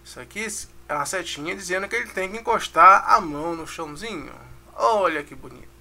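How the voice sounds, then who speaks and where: Gravelly bright-voiced Brazilian music teacher. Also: medium pitch, lively intonation, a little fast. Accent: Brazilian Portuguese. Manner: casual, counts beats aloud, explains with frequent "né?" and "tá?". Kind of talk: online music lesson.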